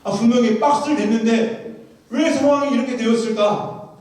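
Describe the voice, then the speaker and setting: A man's voice: very high voice, moderate pace, darkish tone. A man preaching a sermon, telling a story vividly and acting out the lines of the people in it. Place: large church sanctuary. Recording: echoey church hall, voice from far off.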